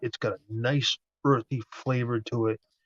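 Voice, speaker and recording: With an American accent, the voice carries fairly even intonation. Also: man. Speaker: guest sharing cancer grief experience. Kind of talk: casual chat. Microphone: connectivity issues.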